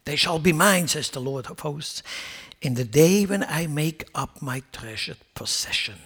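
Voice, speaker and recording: A man's voice: on the high side, expressive, unhurried, fairly bright tone, slightly rough. A man preaching a sermon as a pastor, impassioned and repeating words as he builds emphasis.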